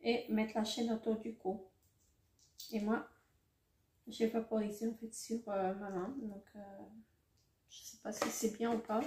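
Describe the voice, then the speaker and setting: A woman's voice: a little high, little pitch movement, a little slow, pauses often, a little mellow. A middle-aged woman vlogger unboxing beauty products in a casual, hesitant way, with many fillers and self-corrections. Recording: roomy echo, faint noise.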